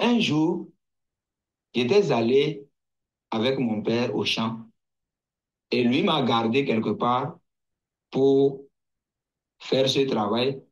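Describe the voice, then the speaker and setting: A man from Togo telling his testimony at an unhurried, deliberate pace. His voice sits at a middle pitch. He speaks haltingly, often restarting and repeating words. The sound is dull and lo-fi. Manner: hesitant, halting, with many restarts and repetitions. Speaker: guest giving a testimony. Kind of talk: slow personal testimony.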